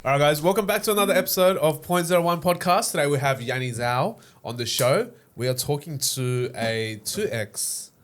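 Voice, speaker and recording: A man's voice: on the high side, moderate pace, few pauses. A young man hosting a podcast, chatty and friendly, with lots of fillers and repeated words. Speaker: podcast host. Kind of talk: casual interview chat.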